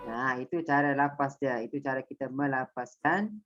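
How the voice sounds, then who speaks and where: Low-voiced Malaysian woman teaching a class. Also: moderate pace, fairly bright tone, dull audio, soft background music. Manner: explains step by step, asks pupils if they understand. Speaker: primary school Malay teacher. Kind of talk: online class lesson.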